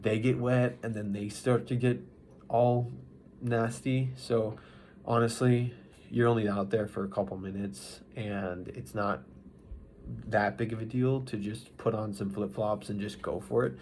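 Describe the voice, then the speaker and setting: A man with a fairly low voice talks casually as a vlogger, recapping in a loose, unscripted way. His delivery halts and restarts as he rambles through his thoughts. There is faint ambient noise in the recording. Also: fairly even intonation, measured pace, a little mellow. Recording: noisy ambient background.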